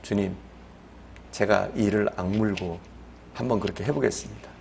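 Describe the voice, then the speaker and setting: A male pastor voicing a humbled, obedient housewife in a sermon story, answering quietly and earnestly. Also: lowish voice, fairly even intonation, moderate pace, gravelly, slight background noise.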